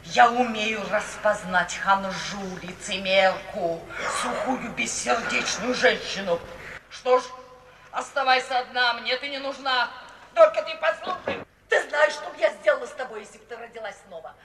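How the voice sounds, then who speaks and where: A woman's voice: a little high, moderate pace, fairly bright tone, lightly acted. An actress playing a bitter, self-pitying, vengeful middle-aged mother in a melodramatic 1950s radio play style. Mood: bitter contempt. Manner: melodramatic, wailing, declamatory. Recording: roomy, distant 1950s radio recording, faint hiss.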